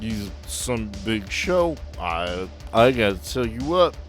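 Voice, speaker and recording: A man's voice: fairly low pitch, big pitch swings, takes it slowly, faint music behind. A man voicing a drunk, belligerent vampire barfly who rambles and repeats himself boastfully in a tabletop game. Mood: drunk bravado.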